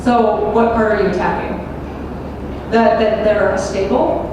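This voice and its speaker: A woman's voice: mid-range voice, fairly even intonation, a little slow. A young woman debating as a student, answering defensively and turning questions back on her opponent. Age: young adult. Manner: defensive, deflects with counter-questions. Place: large echoey university hall. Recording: echoey hall, distant mic, room noise.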